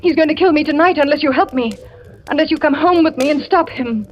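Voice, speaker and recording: A frightened young English wife, acted by a woman in an old radio thriller, pleading anxiously. Her voice sits fairly high and carries a clear English accent. The sound is dull and muffled like an old broadcast. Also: quick pace, close to an everyday voice. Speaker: lead actress in radio drama. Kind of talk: 1940s radio acting.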